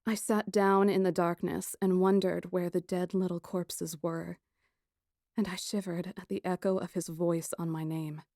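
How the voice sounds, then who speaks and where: A woman playing a plucky, sarcastic kidnapped young woman who narrates her ordeal in a first-person audiobook, wry and expressive. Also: lowish voice, measured pace, no room sound, clean studio sound. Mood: tense.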